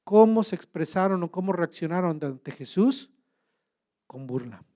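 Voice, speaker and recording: A man's voice: high voice, expressive, measured pace, dark tone. A man preaching as a pastor, asking questions and answering them himself. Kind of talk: sermon.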